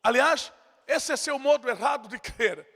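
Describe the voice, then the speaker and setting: A man's voice: very high voice, expressive, a little slow, fairly bright tone. Emphatic man preaching in a reverberant hall. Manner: emphatic preaching, acts out quotes. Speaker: pastor. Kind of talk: sermon.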